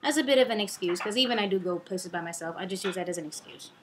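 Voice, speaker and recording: A young adult woman telling a personal story in a casual, animated, rambling way, acting out the dialogue as she goes. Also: medium pitch, fast, background noise.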